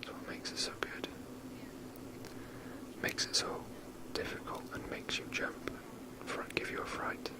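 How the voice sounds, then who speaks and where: A person whispering rambling, unhurried ASMR commentary while playing a video game. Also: poor audio. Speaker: game streamer.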